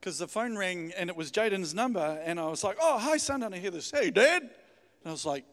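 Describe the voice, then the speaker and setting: Male preacher, middle-aged, New with influence. High-set voice, exhortatory, repetitive emphasis, long hall reverb. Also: brisk. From New Zealand. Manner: informal, exhortatory, repeats phrases for emphasis. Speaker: guest pastor. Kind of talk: sermon to a congregation. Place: church hall, speaking to congregation.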